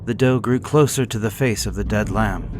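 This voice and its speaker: A man slowly reading a gothic horror story aloud in a measured, somber way. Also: fairly low pitch. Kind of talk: scripted horror narration. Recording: hissy background noise.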